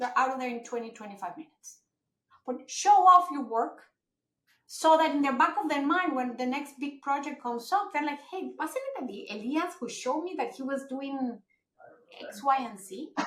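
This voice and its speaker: A woman's high-pitched voice with a Mexican accent, lively intonation, a moderate pace and big swings in loudness. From Mexico (Mexico City). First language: Spanish. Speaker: marketing executive. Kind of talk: podcast interview.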